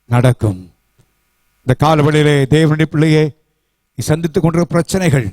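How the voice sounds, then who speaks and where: Male pastor, fervent call-and-response preacher; pitched high, dry and close-miked. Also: no room sound. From South India. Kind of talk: sermon. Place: church.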